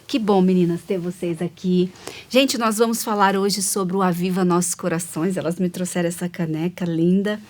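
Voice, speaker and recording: A woman's voice: on the low side, steady tone, moderate pace. A woman hosting a Christian women's talk show, welcoming guests and affirming them often with short agreeing sounds. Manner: warm, affirming, frequent "uhum" backchannels.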